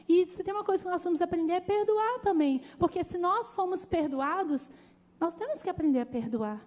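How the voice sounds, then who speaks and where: Woman pastor, high mellow voice, conversational sermon, long church reverb. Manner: conversational, animated preaching with calls to the congregation.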